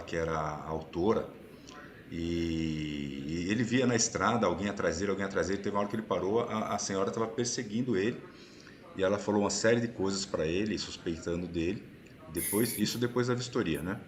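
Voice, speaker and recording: A man with a very low voice hosts a relaxed live-stream conversation over a video call. He explains patiently and keeps asking his listeners whether they are following. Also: a little hiss or hum. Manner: explanatory, often ending sentences with "né?". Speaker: host and course instructor. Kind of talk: casual live-stream chat.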